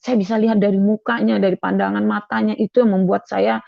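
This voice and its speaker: A woman's voice: medium pitch, little pitch movement, fairly quick, creaky, no echo. A young woman from Madura giving an earnest personal faith testimony, often repeating her phrases as she recounts. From Madura, Indonesia. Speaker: testimony speaker. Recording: dull, dry lo-fi recording.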